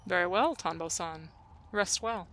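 A man voicing a small, cheerful woman samurai who teases and probes gently. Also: sits high, a little slow, pitched above the performer's own voice. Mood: teasing. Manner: playful, gently probing.

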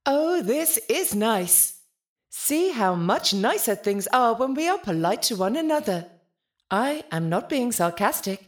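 A woman playing a polite, lonely, literal-minded nonhuman intelligence in an audio drama, speaking formally and precisely. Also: a little high. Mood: friendly, curious. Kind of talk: audio fiction podcast acting.

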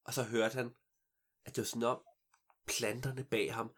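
An improvising storyteller who tells the tale in an animated, playful way and laughs at the jokes. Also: mid-range voice, breathy edge.

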